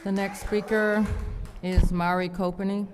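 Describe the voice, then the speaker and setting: A woman clerk announcing speakers at a council meeting in a flat, formal way. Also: medium pitch, measured pace, over music. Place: city council chamber. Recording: long reverb of a council chamber.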